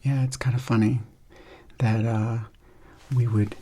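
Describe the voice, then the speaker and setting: A soft-spoken man doing an ASMR roleplay in an unhurried, reassuring manner. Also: medium pitch, level tone, a little hiss or hum. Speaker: ASMR performer playing a substitute surgeon.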